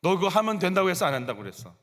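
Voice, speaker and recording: A scolding mother firing stern questions at her misbehaving child, acted out by a male preacher. The voice sits high and swings widely. It stays an everyday speaking voice rather than a full character. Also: very animated, very fast, fairly bright tone, long reverb tail.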